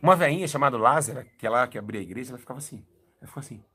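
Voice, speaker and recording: A young Brazilian man, a pastor, giving a lively church testimony and acting out the dialogue as he tells it. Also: mid-range voice, very fast. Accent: Brazilian Portuguese. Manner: animated storytelling, acting out dialogue.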